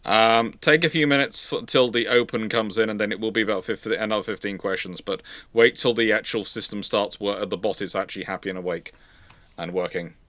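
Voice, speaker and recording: A man with a fairly low voice speaks in a casual live question-and-answer style, as a history host would. The sound is dry, with little room on it. He thinks out loud conversationally, often asking himself questions. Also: fairly even intonation, fairly quick, dry recording.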